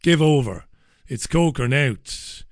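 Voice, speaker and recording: A male radio host, hoarse and losing his voice, chatting casually and joking as he reads out listener messages. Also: medium pitch, lively intonation, slow, dry recording, clean studio sound.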